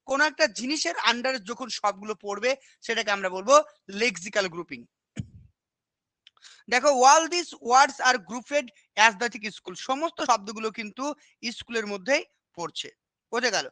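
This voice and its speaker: Woman coaching teacher, crisp bright tone, close dry mic, drills terms, keeps asking if you follow. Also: fairly high pitch, dry recording. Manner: repetitive, quizzing, asks "understood?" often. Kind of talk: Bengali lesson on English teaching with repeated questions.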